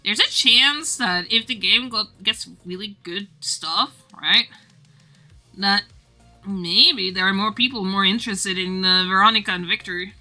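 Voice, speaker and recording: A woman streaming casually to her viewers in a giggly, rambling, animated and teasing way as she works on art. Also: mid-range voice, unhurried, soft background music. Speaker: streamer drawing game art live. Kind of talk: casual livestream chat with viewers.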